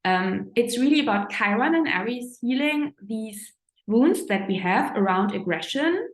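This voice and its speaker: A German native speaker, this woman talks with a German accent while giving a reflective spiritual talk as an astrologer, pausing now and then to find her words. Her voice is fairly high and animated, and the room she's in is echoey.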